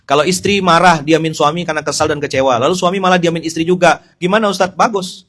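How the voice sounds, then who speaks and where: Middle-aged male preacher, animated and humorous, addresses listeners directly. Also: a little high, fast. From Pontianak, West Kalimantan. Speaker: Islamic preacher. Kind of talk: informal sermon.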